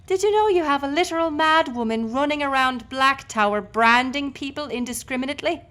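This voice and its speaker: A woman's voice: sits high, fairly quick, a bit bright, pitched above the performer's own voice. A woman playing a defiant, sarcastic, foul-mouthed ship captain held prisoner in an audio roleplay. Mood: sardonic, indignant. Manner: sarcastic, wordy, biting.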